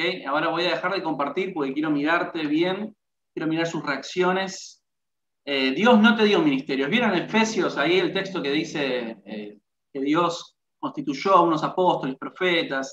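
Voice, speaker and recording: The man's voice is high-pitched, with lively intonation. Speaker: youth ministry teacher. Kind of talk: lecture. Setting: video call. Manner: fast.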